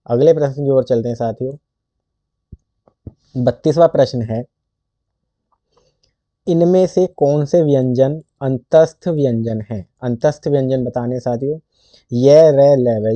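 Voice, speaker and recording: Male exam tutor, unhurried quiz delivery, very dark mellow tone, dull lo-fi recording. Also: medium pitch, no echo. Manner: reads options slowly, then states the answer. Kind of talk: quiz lesson reading questions and answers.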